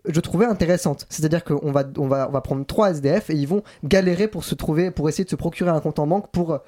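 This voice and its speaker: A man's voice: fairly high pitch, quick pace, dark tone. A man losing his voice, rambling hesitantly through a film review. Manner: rambling, hesitant then laughing. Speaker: film critic. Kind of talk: casual chat.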